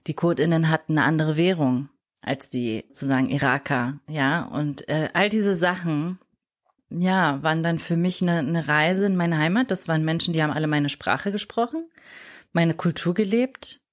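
A woman who grew up in Germany, a podcast interview guest, telling her own story in a reflective way and often pausing to search for words. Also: low voice.

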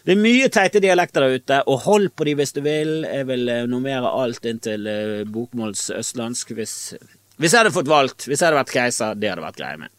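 A man hosts a solo podcast from a small storage room. He talks in a rambling, opinionated way and swears freely, and his pitch swings widely. The sound is close and dry. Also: animated, no echo. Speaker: podcast host. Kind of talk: casual solo podcast monologue.

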